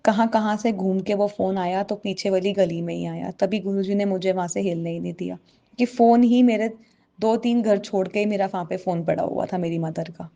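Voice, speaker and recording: A woman's voice: medium pitch, moderate pace, vocal fry, warm tone, highs cut off. A woman tells a personal devotional testimony to a congregation, earnestly and often addressing her listeners directly.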